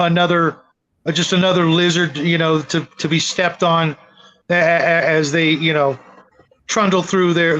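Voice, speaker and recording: A man talking casually in a panel discussion, halting and often repeating his words as he thinks aloud. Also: fairly high pitch, fairly bright tone, a little hiss or hum. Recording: dull lo-fi audio.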